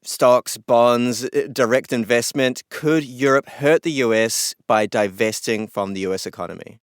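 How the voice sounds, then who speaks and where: A man's voice: mid-range voice, a little slow, smooth, no room sound, clean studio sound. A man hosting an economics podcast, explaining and asking questions in a curious, friendly way. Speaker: podcast host. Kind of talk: conversational explainer.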